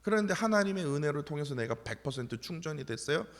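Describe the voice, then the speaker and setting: A man preaches a morning sermon in a church, throwing rhetorical questions at his listeners. His voice sits fairly high and has a gravelly edge. The sanctuary adds a long, ringing reverb. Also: fast talker. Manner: animated preaching with rhetorical questions and acted-out quotes. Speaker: pastor.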